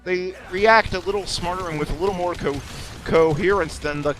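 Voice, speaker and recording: A man's voice: high-pitched, normal speed, over music. A man giving casual, rambling commentary over a video game, self-deprecating and sarcastic, often restarting his sentences. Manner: sarcastic jokes. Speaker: let's play commentator.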